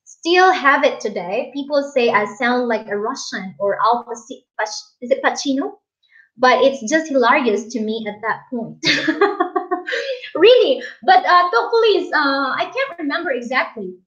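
High-voiced Filipino woman streaming from home. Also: expressive, a little slow, a bit bright, dull audio. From Philippines. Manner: chatty, reads viewer comments aloud, frequent restarts. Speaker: English teacher and live stream host. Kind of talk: casual live stream chat. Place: small room indoors.

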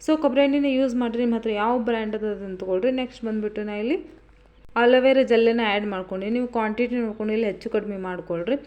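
A woman's voice: fairly high pitch, rapid-fire, a little mellow, dull audio. A woman with a North Karnataka Kannada accent giving an informal how-to for viewers, chatty and repetitive, mixing in English words. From Karnataka, India. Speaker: home-remedy vlogger.

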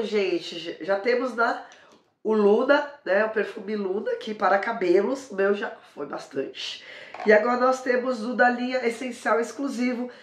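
A hoarse woman in her forties from Brazil with a São Paulo accent, chatting through a product review and joking about her cold-worn voice. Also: fairly high pitch, reverberant. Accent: São Paulo Brazilian Portuguese. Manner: chatty, keeps saying "gente", jokes about her own voice. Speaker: beauty vlogger and sales consultant. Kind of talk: casual product review to camera. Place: indoor room with a brick wall.

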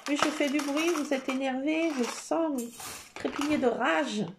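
This scrapbooking vlogger has a high-pitched voice and an unhurried way of speaking as she crafts a page and chats with her viewers. She's playful and self-mocking throughout, with noise in the background.

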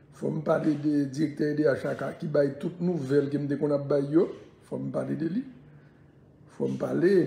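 A Haitian man with a Haitian accent chats loosely on a live stream, over and over urging viewers to share it. His voice is fairly high and mellow, with vocal fry, heard in an echoey room with slight background noise.

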